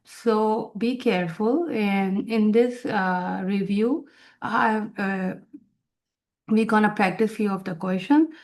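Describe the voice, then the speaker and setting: Casting: female instructor, native Urdu speaker with South Asian accent, explaining study tips informally, encouraging and repetitive, mid-range pitch. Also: takes it slowly, a little mellow. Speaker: exam review instructor for nursing students.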